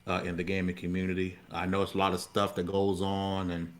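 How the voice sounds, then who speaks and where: A man with a low voice and a fairly flat delivery hosts a livestream in grief. He speaks haltingly and quietly from the heart, subdued throughout. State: grieving. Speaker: show host.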